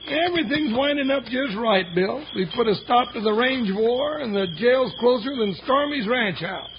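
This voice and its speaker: An actor playing a jolly, hungry cowboy sidekick in an old Western radio drama, with a folksy comic delivery. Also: male voice, very high-pitched, expressive, normal speed. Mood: cheerful, comic. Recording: muffled old radio recording, faint noise.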